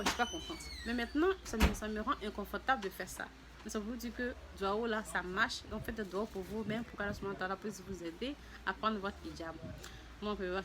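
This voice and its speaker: Halting, word-repeating woman vlogger. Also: medium pitch, background noise. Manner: halting, repeats words and restarts often; voices other people's lines in a raised, lively tone. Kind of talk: casual personal testimony to viewers.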